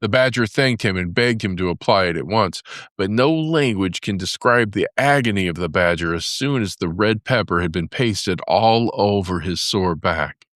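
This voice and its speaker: Low-voiced man narrating a fairy tale. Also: a bit bright, no room sound, clean studio sound. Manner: measured storytelling with character voices for dialogue.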